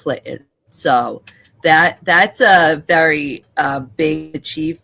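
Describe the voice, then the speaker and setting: In a Boston accent, the speaker talks at a very slow pace with a bright, sharp tone and ordinary pitch variation. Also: woman, very deep, low pitch for a woman. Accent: Boston accent, dropped and intrusive R's. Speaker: podcast co-host. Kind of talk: casual chat. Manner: hesitant, many 'um' fillers.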